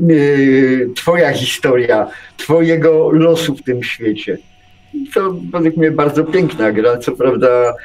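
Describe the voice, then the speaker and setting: A man co-hosts an unscripted radio discussion. He speaks slowly and haltingly, often pausing to find his words, at a medium pitch. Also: rough recording. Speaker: radio show co-host and video game enthusiast.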